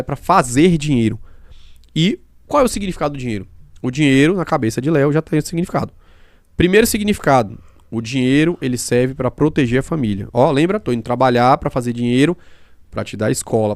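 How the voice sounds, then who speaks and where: A man's voice: mid-range voice, a little mellow, no echo, clean studio sound. A man hosting a casual podcast conversation, explaining points emphatically with examples. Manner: fast-talking. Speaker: podcast host.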